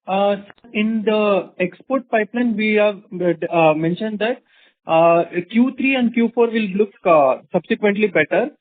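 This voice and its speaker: A man's voice: high-pitched, a little slow, dry recording. A man with an Indian accent asking questions as an analyst on a call, deferential and a little hesitant. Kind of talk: unscripted question and answer. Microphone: telephone. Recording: dry tinny phone line.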